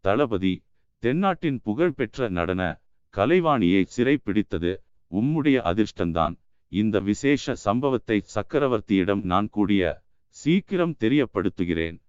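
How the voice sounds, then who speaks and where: A man's voice: lowish voice, very animated, measured pace, a little mellow, smooth, no room sound, dull audio. Sly menacing monk, read by a man. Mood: grave, warning. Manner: mocking, then grave and commanding.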